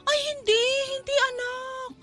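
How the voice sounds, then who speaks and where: A woman's voice: very high-pitched, fairly even intonation, unhurried, music in the background. A woman playing an evasive, struggling mother in a Filipino radio drama, coaxing and hesitant as she talks to her child. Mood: coaxing, uneasy. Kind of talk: Tagalog radio drama acting.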